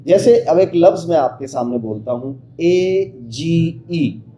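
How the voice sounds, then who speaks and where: A man with a fairly high voice teaches pronunciation at a moderate pace in an interactive lesson, emphatically sounding out letters and quizzing his listener with short questions. The room is echoey with steady background noise.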